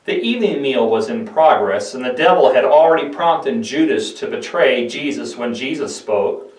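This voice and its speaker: A man's voice: mid-range voice, expressive, normal speed. A man giving a scripted, dramatic narration of a Bible story with emphatic, theatrical delivery. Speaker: pastor, narrator. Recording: echoey room, distant microphone.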